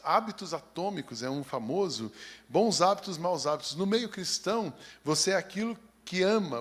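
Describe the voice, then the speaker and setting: High-voiced Brazilian pastor preaching. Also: male voice, creaky, a bit bright, slightly rough. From São Paulo, Brazil. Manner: reads scripture steadily, then chats in a folksy, joking way. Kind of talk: sermon with scripture reading.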